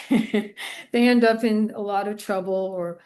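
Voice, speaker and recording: A woman talks as a guest on a podcast. She is conversational and unscripted, letting phrases trail into "you know". Her pitch sits in the middle range. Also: fairly even intonation, a little slow, dark tone. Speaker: podcast guest, illustrator and art professor. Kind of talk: casual interview chat.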